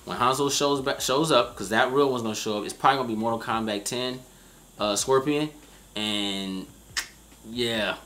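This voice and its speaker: A man's voice: medium pitch, moderate pace, fairly bright tone. A man with an American accent in a casual debate among friends, slangy and insistent, repeating his phrases. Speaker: reaction show host.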